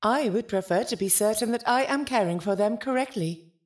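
A woman playing a ship's AI in an audio drama, formal, literal and gently concerned, with precise, stilted wording. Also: fairly high pitch, brisk, close to an everyday voice. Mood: formal, measured.

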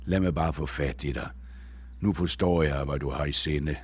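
A man's voice: extremely low pitch, breathy edge. A man reading a proud, desperate male warrior from a book, his lines turning from coaxing to accusing. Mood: raging. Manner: pleading then accusing, forceful. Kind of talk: read-aloud book dialogue.

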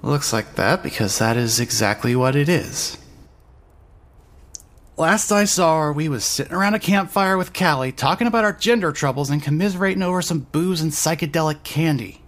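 A man's voice: on the high side, expressive, normal speed, a bit bright. An actor with a male-sounding voice playing a groggy, irreverent young trans woman with a casual, sardonic manner in a fan-dub audio drama. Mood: groggy, irritated. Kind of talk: scripted first-person dialogue and narration.

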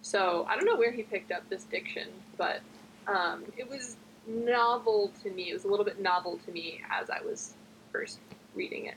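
A woman's voice: mid-range voice, normal speed, slight background noise, poor audio. A young woman from New Jersey co-hosting a podcast, rambling casually with lots of fillers. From New Jersey, USA. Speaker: podcast co-host. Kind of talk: casual chat.

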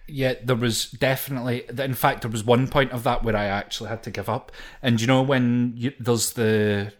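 Scottish man in relaxed podcast chat. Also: medium pitch, moderate pace. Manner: relaxed, uses local words like "wee". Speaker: podcast co-host. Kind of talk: casual chat.

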